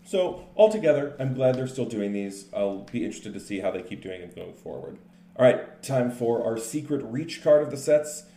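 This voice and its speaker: A man co-hosting a podcast, chatting casually and explaining things in a relaxed way. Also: mid-range voice. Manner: relaxed, explanatory, says card names in quick lists. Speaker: podcast co-host. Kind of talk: casual chat about card games. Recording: echoey room with faint noise.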